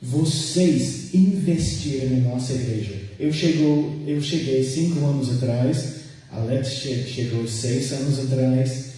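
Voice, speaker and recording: A man with an American accent, a native English speaker, preaching a sermon and reading scripture in slow, careful, halting speech, recorded from far off in a church sanctuary. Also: mid-range voice, warm tone. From United States. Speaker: guest preacher. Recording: echoey church hall from far off.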